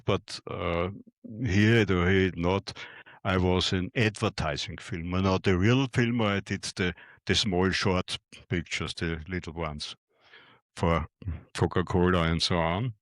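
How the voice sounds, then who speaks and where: An older Austrian man with a German-speaking accent, telling stories to an audience in hesitant, halting English with many fillers. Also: low voice, steady tone, no echo, clean studio sound. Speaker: guest photographer. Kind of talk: speech to an audience.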